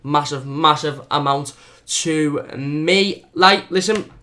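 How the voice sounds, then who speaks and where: A man's voice: fairly high pitch, slow pace, sharp tone. A young man with a Scouse accent hosting a football fan channel, earnestly previewing a match and repeating words for emphasis. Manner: repetitive, earnest, doubles his words.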